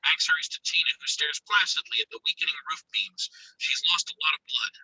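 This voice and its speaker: A man reads screenplay action with dramatic intensity. His voice is high, breathy and sharp, swinging widely in pitch as he builds suspense. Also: wildly swooping pitch, a little fast, dry recording, poor audio. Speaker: stage directions narrator.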